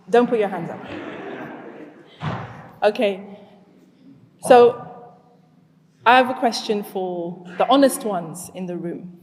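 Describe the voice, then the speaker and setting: A woman's voice: on the high side, a little mellow. A woman in her forties who grew up in Zimbabwe, speaking at a community event. She asks the audience questions, then tells a personal story. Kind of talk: storytelling talk to a live audience. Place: large hall with an audience. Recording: long reverb of a large hall.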